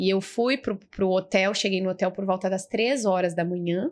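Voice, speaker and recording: Over a quiet background, a woman speaks at a fairly slow pace in a medium pitch with ordinary pitch variation. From Brazil, Mato Grosso interior. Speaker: lawyer. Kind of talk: podcast interview. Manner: conversational, with frequent repetitions.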